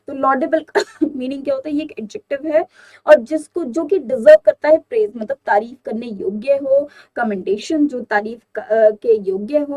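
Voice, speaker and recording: High-voiced woman teaching vocabulary. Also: darkish tone, rough recording. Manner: explains step by step, asks and answers her own questions; reads English example sentences slowly and deliberately. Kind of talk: exam-prep vocabulary lesson.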